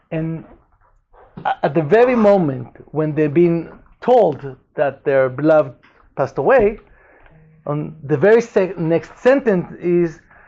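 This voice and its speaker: A man with an Israeli accent speaks at a fairly high pitch with a dark, mellow tone. His pace is fairly slow, with long, frequent pauses. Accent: non-native English, Israeli. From Israel, Jerusalem. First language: Hebrew. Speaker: rabbi. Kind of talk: lecture. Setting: room with live audience. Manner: halting, many fillers and restarts.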